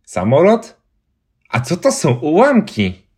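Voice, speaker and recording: Storybook castle ghost lady, high and husky, haughty but playful, voiced by a male narrator. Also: animated, measured pace, a little mellow. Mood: curious. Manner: high, exclaiming, mock-haughty.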